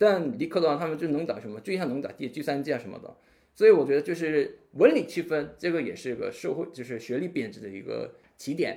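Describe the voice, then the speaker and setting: A man talks at a very fast pace with lively intonation. His tone is dark and mellow, with vocal fry. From South Korea. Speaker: doctoral student. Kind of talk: casual chat. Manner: halting.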